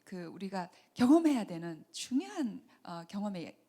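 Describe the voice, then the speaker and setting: A middle-aged woman giving a Christian lecture on healing, talking earnestly and dropping to soft whispers for emphasis. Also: mid-range voice, big pitch swings, moderate pace. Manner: earnest, acts out mothers and children in quoted asides. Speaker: counseling center director giving a lecture.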